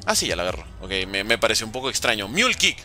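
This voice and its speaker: A man's voice: lowish voice, big pitch swings, racing, pushed and bright, faint music behind. A man streaming a video game, chatting casually with jokes and slang and answering his viewers' messages. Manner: playful, joking, slangy, reading chat aloud. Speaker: gaming streamer. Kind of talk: casual livestream commentary.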